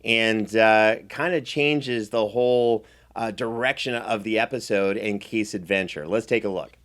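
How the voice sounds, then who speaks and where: A man's voice: on the low side, unhurried, fairly bright tone. A man hosting a chatty recap show in an enthusiastic, effusive way. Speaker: podcast host and producer.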